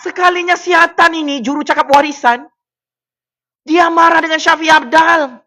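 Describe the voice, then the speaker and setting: A man with a Sabah Malay accent, ranting and taunting as a livestream political commentator on his own mic, with loud exclamatory bursts. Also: very high-pitched, fairly even intonation, normal speed, slight background noise. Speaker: political commentator streaming to viewers. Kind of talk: mocking livestream rant. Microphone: personal microphone at a desk.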